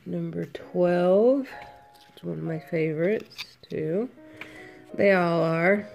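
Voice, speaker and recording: A woman with a cold, sniffling a little, slowly listing her handmade headbands for sale from home. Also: on the low side, gravelly, muffled recording, faint music behind. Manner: slow, unhurried item-by-item listing. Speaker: crafter selling handmade headbands. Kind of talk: casual product walkthrough.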